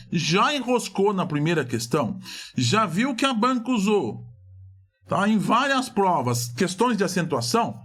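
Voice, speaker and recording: A middle-aged man with a Brazilian Portuguese accent, reviewing exam questions in a lively lesson and often asking and answering his own questions. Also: sits high. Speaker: exam prep teacher.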